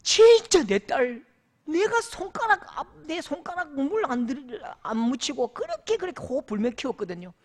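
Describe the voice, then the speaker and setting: A man voicing an angry, heartbroken father of a bride who complains loudly. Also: very high voice, sing-song, moderate pace, pitched above the performer's own voice. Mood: aggrieved.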